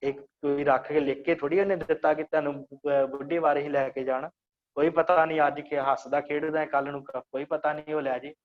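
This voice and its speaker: Male religious teacher, slightly high-pitched, slow explanatory delivery; muffled lo-fi audio. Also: little pitch movement. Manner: explains slowly, repeats phrases to teach pronunciation. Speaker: Sikh scripture teacher. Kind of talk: online religious class.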